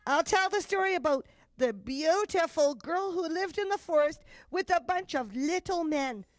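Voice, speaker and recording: High, swooping, bossy puppet. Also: female voice, lively intonation, normal speed. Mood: eager, muddled. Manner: emphatic, insistent, exaggerated puppet-show delivery. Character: bossy, exasperated childish puppet who corrects everyone. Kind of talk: children's puppet show acting.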